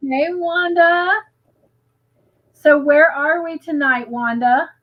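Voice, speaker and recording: Speaking very slowly in a Southern US accent, a woman uses a high pitch with ordinary pitch variation. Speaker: crochet live-stream co-host. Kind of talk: casual chat. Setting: live stream.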